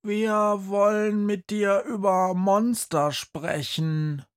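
A narrator voicing a menacing little girl, secretly a mouse, who speaks in a high hiss in an audiobook. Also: fairly even intonation, very slow, clear, resonant tone. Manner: hissing, high.

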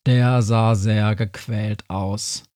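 A man reading a humorous story aloud, lively, putting voices to the characters. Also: fairly low pitch, drawn-out words, dry recording, clean studio sound. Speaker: narrator.

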